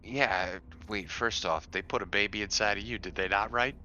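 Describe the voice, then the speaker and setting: A man's voice: lowish voice, normal speed, sharp tone. A man chatting casually as a player in a tabletop roleplaying game. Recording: lo-fi audio with music underneath.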